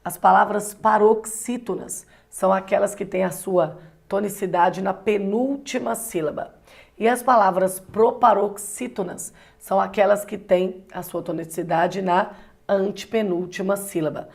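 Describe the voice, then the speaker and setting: A woman's voice: medium pitch, steady tone, a little slow, vocal fry. A woman from Brazil giving an exam-prep lecture as a Portuguese teacher, explaining step by step and often asking rhetorical questions. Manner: explanatory, asks rhetorical questions, frequent tag "né".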